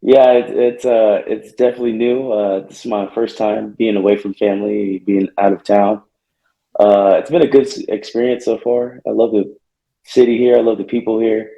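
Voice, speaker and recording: A man's voice: lowish voice, little pitch movement, moderate pace, dull audio. Hesitant young man on an echoey call line. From Northern California. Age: young adult. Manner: soft-spoken, hesitant, many fillers. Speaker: college football player guest. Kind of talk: interview answers.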